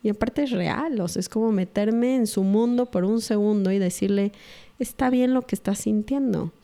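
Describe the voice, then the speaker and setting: Earnest mother, mellow voice. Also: mid-range voice, moderate pace. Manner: earnest, acts out quoted dialogue. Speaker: mother sharing parenting advice. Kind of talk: reflective talk to an audience.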